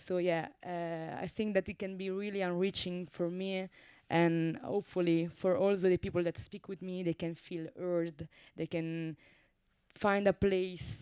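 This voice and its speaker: A woman talks at a fairly low pitch with a dark, mellow tone and fairly even intonation. The sound is dry and close, with no echo. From Switzerland, Ticino. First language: Italian. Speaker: master's student, researcher. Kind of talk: panel discussion. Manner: halting.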